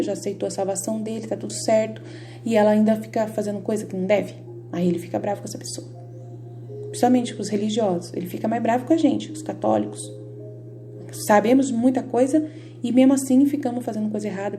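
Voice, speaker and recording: A woman's voice: medium pitch, warm tone. A Brazilian woman giving informal, emphatic devotional teaching. She speaks straight to her viewers and repeats her points over and over. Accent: Brazilian Portuguese. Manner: emphatic and repetitive, addresses viewers directly. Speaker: Catholic lay teacher.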